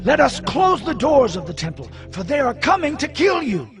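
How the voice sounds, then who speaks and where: False prophet, very high-pitched, alarmed, animated intonation, biblical audio drama, music underneath. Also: male voice, normal speed. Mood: urgent warning. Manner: urgent, alarmed. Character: urgent, alarmist false prophet giving warning. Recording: music behind the voice.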